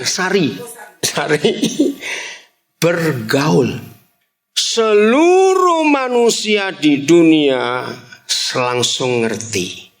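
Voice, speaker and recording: A man preaching a sermon to a congregation in a church hall, asking them questions and stretching out key words to stress them. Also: mid-range voice. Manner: shouts key words slowly to drive them home. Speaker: pastor.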